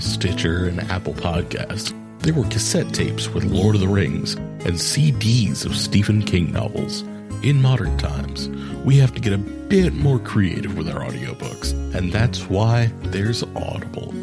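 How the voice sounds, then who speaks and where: Low-voiced man reading an ad. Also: expressive, unhurried, vocal fry. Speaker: podcast advertisement announcer. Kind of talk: scripted ad read. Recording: very loud music under the voice. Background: music.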